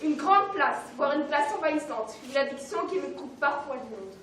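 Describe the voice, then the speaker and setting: A teenage girl declaims her lines on a school stage in a high voice. The sound is distant and very echoey, with faint noise behind. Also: lively intonation, normal speed, fairly bright tone. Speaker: student actor. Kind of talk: stage monologue.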